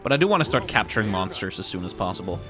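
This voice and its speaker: A man's voice: low voice, sing-song, very fast, over music. A man giving casual video game commentary, musing aloud to himself as he plays. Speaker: gaming streamer. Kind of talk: casual let's play commentary.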